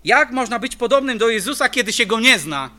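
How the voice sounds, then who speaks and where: A man's voice: very high-pitched, lively intonation, fairly quick, pushed and bright. A man preaching a sermon, emphatic and full of rhetorical questions to the congregation.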